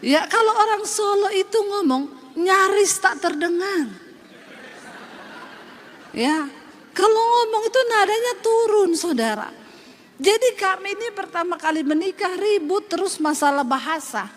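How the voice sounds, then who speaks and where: A woman pastor from Sulawesi with a Sulawesi Indonesian accent, preaching a lively, humorous sermon straight to her congregation. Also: very high voice, a little slow. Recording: long hall reverb, faint noise.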